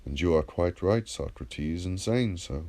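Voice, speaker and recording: A man's voice: low voice, lively intonation, a little slow, darkish tone. A man reading the part of a vain but agreeable reciter of epic poetry in a dramatised dialogue, answering with deference and assurance. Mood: agreeable, self-assured.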